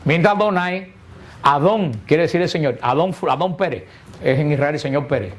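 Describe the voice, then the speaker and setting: A man's voice: a little high, moderate pace. A man teaching a catechesis lesson to a group, explaining step by step and posing rhetorical questions that he answers himself.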